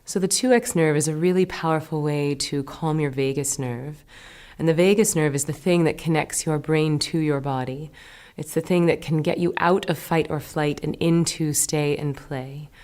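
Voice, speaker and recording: A woman meditation teacher guiding a breathing meditation in a slow, soothing, gentle way, sometimes dropping to a soft whisper. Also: sits low, fairly even intonation. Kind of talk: guided meditation.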